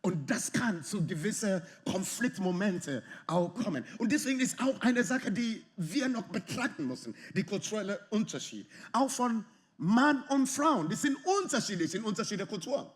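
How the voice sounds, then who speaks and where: A man preaching a sermon in lively, slightly non-native German with English phrases mixed in. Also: high-pitched, normal speed. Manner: animated, lively, often acts out quoted arguments. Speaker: pastor.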